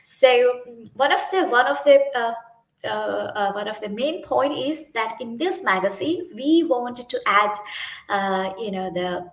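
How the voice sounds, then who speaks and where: A woman's voice: fairly high pitch, animated, a little slow, roomy sound. A young woman from Sri Lanka whose first language is Sinhala, speaking as a youth team leader in a livestream talk, hesitant, with many fillers and restarts.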